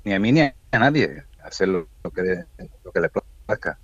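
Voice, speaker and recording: A man in his sixties calls in to a radio show over a phone line that keeps breaking up. The sound is muffled and dry, and his voice sits low. He answers plainly and matter-of-factly, and says things twice when the line cuts out. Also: very animated, moderate pace, slightly rough, no echo. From Spain. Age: 60s. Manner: matter-of-fact, repeats words over the bad line. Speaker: guest calling in from the road. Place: outdoors by a road.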